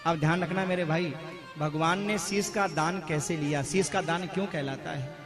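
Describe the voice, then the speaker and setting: High-voiced man telling a devotional tale. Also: moderate pace. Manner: dramatic, calls out to listeners. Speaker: devotional storyteller preacher. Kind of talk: devotional scripture storytelling with sung verses. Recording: music playing behind.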